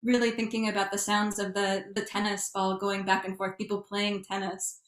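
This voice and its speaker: A woman's voice: medium pitch, little pitch movement, normal speed. A woman speaking as a writer on a discussion panel, in a reflective, exploratory way. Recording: echoey room sound.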